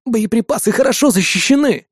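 A man's voice: very high-pitched, animated, brisk, husky, no echo, studio quality, voice pushed up, exaggerated voice. A man reading an audiobook who voices a panicked, wounded male soldier trapped in wreckage, crying, shrieking and begging in pain. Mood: shaken, agitated. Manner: shrieking, pleading, sobbing. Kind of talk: audiobook character voice.

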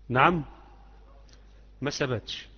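A man's voice: medium pitch, sharp tone, slightly rough. A man with an Egyptian accent gives a live religious lesson, explaining points conversationally and putting questions to his students. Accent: Egyptian Arabic. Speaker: Islamic creed teacher. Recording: muffled audio with long hall reverb.

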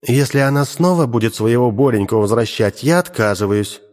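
A man voicing a calm, sensible magical goldfish who speaks in a measured way. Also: medium pitch, long reverb tail, close to an everyday voice. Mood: composed.

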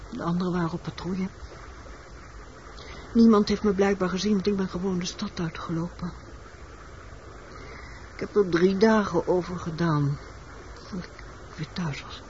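An actress playing a weary, secretive woman in a radio drama, telling her story in a measured, matter-of-fact way. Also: on the low side, a little mellow, natural voice. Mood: weary, detached. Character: weary, secretive woman confessing a wartime killing. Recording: muffled, noisy old radio recording.

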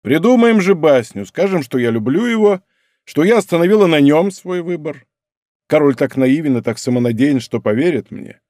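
A man's voice: on the high side, lively intonation, moderate pace, darkish tone, no room sound, studio quality, natural voice. A man reading an audiobook, voicing a proud king who speaks coldly and sarcastically. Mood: cold mockery. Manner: cold, sarcastic, restrained. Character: cold, proud, mocking young king.

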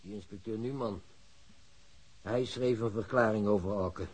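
An actor in a Dutch radio drama playing a plain-spoken, quietly bitter older father. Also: on the low side, moderate pace, breathy edge. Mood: subdued.

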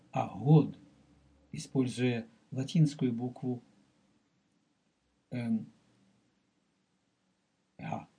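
A man teaching as a rabbi in a recorded religious lecture. He speaks deliberately, addresses the listener directly, and explains and repeats terms for emphasis. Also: mid-range voice, dark tone, breathy edge.

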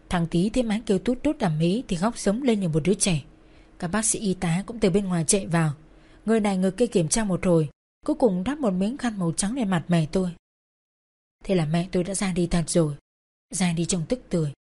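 A woman's voice: mid-range voice, dark tone, breathy edge. A woman narrating a first-person dramatic story in a sorrowful, emotional way.

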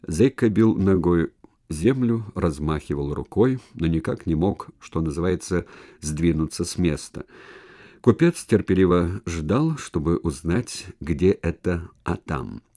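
A man narrating a historical novel as an audiobook in an even storytelling manner. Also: low-pitched, a little slow. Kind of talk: scripted narration.

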